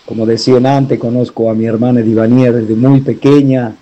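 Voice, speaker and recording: A man from Argentina with an Argentine Spanish accent, a pastor sending a slow, earnest voice message of greetings and blessings to a radio program. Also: medium pitch, little pitch movement, mellow, highs cut off. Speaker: pastor calling in.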